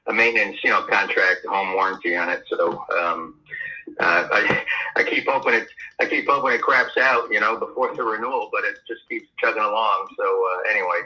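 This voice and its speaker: A man's voice: on the low side, brisk, pushed and bright. A man selling his house talks on a phone call, hesitant and full of fillers and restarts. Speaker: home seller on a call. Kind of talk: phone conversation. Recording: tinny phone line.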